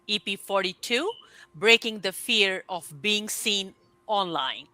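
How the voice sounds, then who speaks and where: A woman on a video-call panel introduces herself proudly, as if announcing it. Her voice is bright and forceful and sits in a middle range. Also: medium pitch, expressive, slow, dry recording. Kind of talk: self-introduction.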